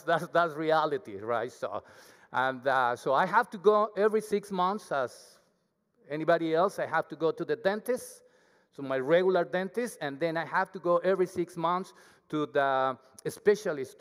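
A man's voice: fairly high pitch, fairly bright tone. A man with a thick Mexican accent, Spanish his first language, preaching a humble, chatty sermon as a guest speaker. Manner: humble, self-deprecating, chatty with the congregation. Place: church. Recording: hall reverb.

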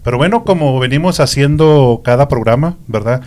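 A man's voice: medium pitch, animated, normal speed, darkish tone. Male co-host, Christian radio interview, chatty, steers the talk. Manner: talkative, affectionate, steers the interview.

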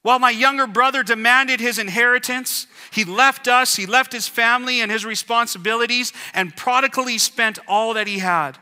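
A man's voice: very high voice, normal speed, hardly any pauses, sharp tone, smooth, in a large hall, voice pushed up, full character voice. A man voicing an indignant older brother who complains that his hard work went unrewarded. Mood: resentful. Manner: complaining, emphatic.

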